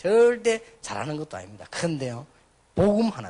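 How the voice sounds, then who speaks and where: This man talks in a high voice with very wide pitch swings. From South Korea, Busan. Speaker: pastor. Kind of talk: sermon.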